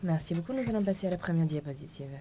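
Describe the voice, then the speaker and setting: Low-voiced woman interpreting live, noisy feed. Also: lively intonation, rapid-fire, warm tone. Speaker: simultaneous interpreter. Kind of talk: halting live interpretation of a presentation.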